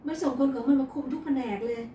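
A woman's voice: sits high, fast talker, warm tone, a little hiss or hum, voice pushed up, natural voice. A woman voicing a brash, crude playboy son in a read-aloud romance novel, recorded in an echoey room from a distance. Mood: excited. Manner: crude, teasing.

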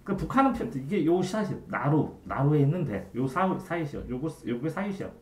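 Lively Korean man tutoring a student. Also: fairly high pitch, moderate pace. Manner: quizzing the student with frequent checks for understanding; trailing off quietly at the ends of phrases. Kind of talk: one-on-one Korean grammar tutoring. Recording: echoey room.

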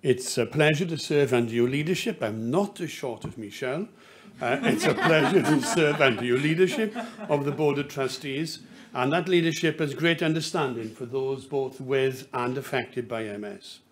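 A man's voice: medium pitch, moderate pace. An older man with a Welsh accent, from Wales, giving a courteous formal vote of thanks. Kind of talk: formal speech. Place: meeting hall.

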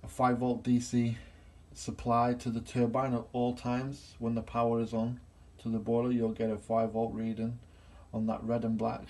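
A middle-aged man with a gravelly, creaky voice walks through a repair step by step as a gas engineer. He talks plainly into a phone he holds himself. The sound is that of a small indoor workshop. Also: medium pitch, completely flat delivery, normal speed, hardly any pauses, a little mellow. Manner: plain step-by-step explaining, filming on his own phone. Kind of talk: hands-on repair demonstration. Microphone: phone camera held in hand.

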